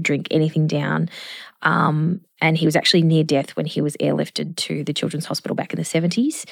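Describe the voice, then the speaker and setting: A mother in her forties speaking earnestly in an interview about family, hesitant and pausing often. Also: low-pitched, gravelly, no echo. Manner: earnest, hesitant, many pauses. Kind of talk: reflective interview conversation.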